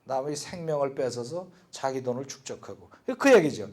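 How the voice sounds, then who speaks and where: A man's voice: medium pitch, animated, normal speed, a little mellow. An older man teaching an English speaking lesson from Bible verses, joking and repeating words for the class to drill.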